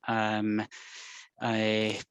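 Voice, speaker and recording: A man in his forties with a South African accent, speaking as a guest on a video call interview in a measured, explanatory way. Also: on the low side, monotone, a bit bright, smooth, no echo, lo-fi sound. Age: 40s. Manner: measured, explanatory, with frequent ums and uhs.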